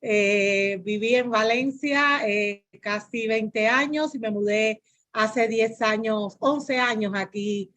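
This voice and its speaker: A woman's voice: on the high side, slow pace, a bit bright. Earnest Cuban-born woman preaching on health. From Cuba. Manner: earnest, repeats phrases, frequent "eh" restarts. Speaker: guest speaker on health. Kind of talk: church health talk over video call.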